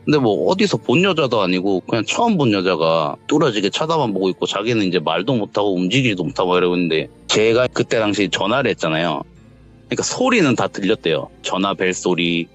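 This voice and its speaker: A man casually telling a true ghost story, acting out the voices in the dialogue he recounts. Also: low voice. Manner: animated, acts out the voices in quoted dialogue. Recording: dull lo-fi audio with faint background music.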